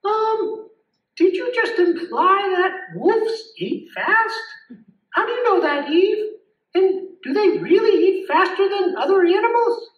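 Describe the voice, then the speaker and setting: A curious, slightly impatient old puppet fellow, voiced by a man, putting questions in an unusually high, slow voice. His speech is inquisitive and childlike. The sound is dull and echoey, picked up from far off. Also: expressive, heavily acted. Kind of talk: live puppet show acting.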